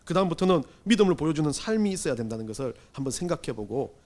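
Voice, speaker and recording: A male pastor giving a conversational Sunday sermon, asking the congregation rhetorical questions and swinging between loud emphasis and hushed asides. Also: on the high side, sing-song, rapid-fire.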